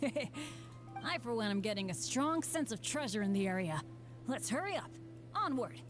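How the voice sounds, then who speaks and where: An eager teenage boy adventurer from a video game, pitched fairly high. He sounds boyish and earnest, quick to put himself down and a little hesitant. Game music plays clearly behind him. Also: big pitch swings. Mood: excited.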